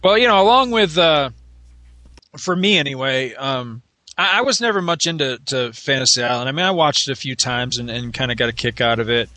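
A man's voice: medium pitch, expressive, brisk, sharp tone, dry recording. A middle-aged man co-hosting a podcast, chatting casually and nostalgically with plenty of fillers. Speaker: podcast co-host. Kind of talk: casual chat.

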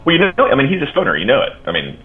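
A man's voice: mid-range voice, huge pitch swings, rapid-fire, faint music behind. A man chatting casually as a podcast co-host. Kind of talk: casual chat. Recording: thin phone-like line.

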